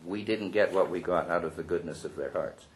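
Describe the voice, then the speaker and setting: A man's voice: sits low, brisk, slight background noise. A man at a panel talking through an old newspaper spread, with dry, wry asides and a few hesitant restarts. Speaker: panel speaker. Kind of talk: commenting on a historical newspaper spread.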